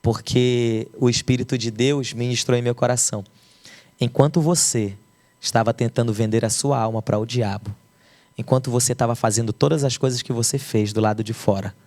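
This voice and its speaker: A man's voice: mid-range voice, steady tone, normal speed, darkish tone. A young adult man from Brazil, a pastor, telling the emotional story of his conversion as a testimony.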